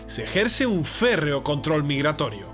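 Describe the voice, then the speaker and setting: A man's voice: fairly high pitch, sing-song, moderate pace, fairly bright tone, faint music behind. A man reading scripted documentary narration as a TV reporter.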